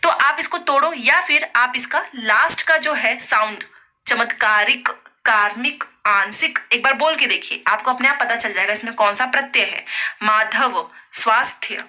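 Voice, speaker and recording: A woman's voice: a little high, moderate pace, bright, forceful tone. A woman teaching a grammar lesson in speech, patiently repeating examples aloud for her students.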